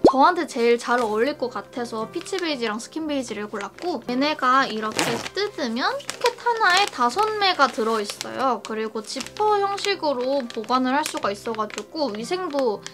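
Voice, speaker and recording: A young woman chatting excitably and casually to camera as she reviews a shopping haul, in a bubbly way. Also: high voice, normal speed, hardly any pauses, noisy background. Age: young adult. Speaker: beauty and fashion vlogger. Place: small indoor room set, seated. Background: background music.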